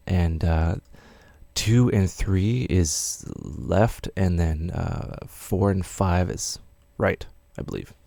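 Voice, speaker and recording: A man's voice: low-pitched, vocal fry, a little mellow, dry recording. A man teaching music production in a casual, rambling tutorial with many fillers.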